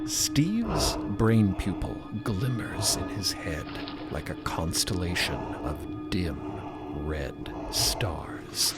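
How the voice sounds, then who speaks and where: A man's voice: deep voice, very animated, very slow, few pauses. A man narrating a scripted drama podcast in a theatrical storytelling style. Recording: loud music under the voice. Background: music.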